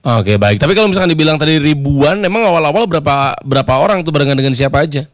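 A man hosting a radio talk show, chatty and jokey, with quick asides. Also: a little high, expressive, dry recording, studio quality. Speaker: radio host.

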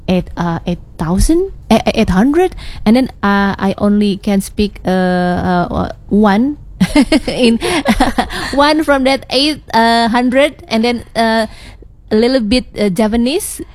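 A woman with an Indonesian accent hosts a relaxed bilingual talk show, her first language Sundanese. She speaks halting English full of fillers, laughs often, and slips into Indonesian now and then. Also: a little high. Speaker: radio talk show host.

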